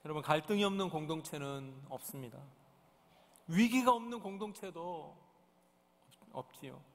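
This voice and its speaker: A high-voiced male pastor preaches to his congregation, earnest and searching, often turning his points into questions. His voice rings through a large church sanctuary with a long reverb trailing each phrase. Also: lively intonation, moderate pace, a bit bright. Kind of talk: sermon. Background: congregation present.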